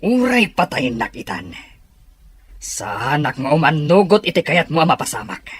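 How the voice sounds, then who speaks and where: A man's voice: fairly high pitch, sing-song, moderate pace, a bit bright, slight background noise. A man playing a proud captive tribal leader in a drama, defiant and emphatic as he challenges his enemy. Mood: resolute, defiant.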